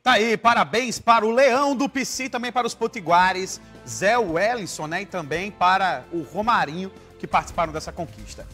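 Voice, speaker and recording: A man's voice: sits high, lively intonation, normal speed, hardly any pauses, sharp tone, faint music behind. A Brazilian man in his thirties hosting a live TV sports show in a studio, upbeat, reading viewer messages aloud. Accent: Brazilian Portuguese.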